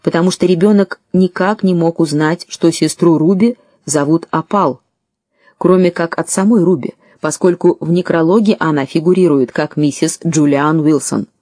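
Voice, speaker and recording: A woman reading the lines of a calm, persuasive male FBI agent in an audiobook. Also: low voice, normal speed, dry recording, clean studio sound.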